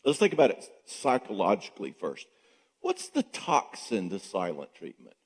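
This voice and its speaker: An older male psychologist lectures a church audience, his lowish voice carried by the long reverb of a sanctuary. He talks in an animated way, throws out rhetorical questions and slips into higher voices to act out quotes. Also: normal speed. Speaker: psychologist speaking at a marriage conference. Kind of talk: conference talk to a church audience.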